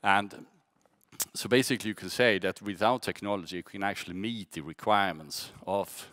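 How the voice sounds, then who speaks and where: A Swedish man with a Skåne accent gives a measured conference presentation about his company, often restarting and repeating words. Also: on the low side, steady tone, a bit bright, no room sound, studio quality. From Sweden.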